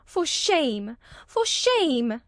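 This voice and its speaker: A woman's voice: sits high, very animated, normal speed, no echo, clean studio sound, voice pushed up. A woman playing a petulant, lovesick young girl. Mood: indignant. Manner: pleading and petulant. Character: infatuated, indignant young girl. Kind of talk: audiobook character voice.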